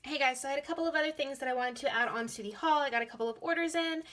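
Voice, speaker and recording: A young woman chatting casually through a planner sticker haul, gushing and repeating words, her voice slightly hoarse from being sick. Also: sits high, very fast, a bit bright. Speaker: planner vlogger.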